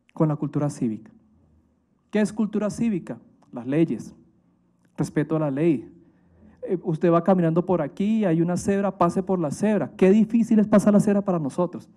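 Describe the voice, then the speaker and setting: A man's voice: high-pitched, dark tone. A Colombian man, a priest, giving a motivational talk to families and staff, emphatic and full of rhetorical questions.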